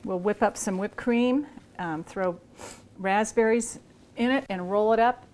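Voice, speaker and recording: A woman's voice: medium pitch, a little slow, slight background noise. Chatty older woman demonstrating a recipe. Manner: relaxed and chatty, talking while working with her hands. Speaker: cooking show host. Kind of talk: cooking demonstration. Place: large home kitchen, indoors.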